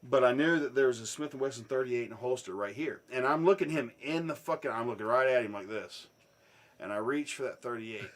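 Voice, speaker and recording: A man telling a swear-filled story in a casual chat, dropping low and then bursting into loud shouts. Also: a little fast. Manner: profane, animated, swings from hushed to shouting.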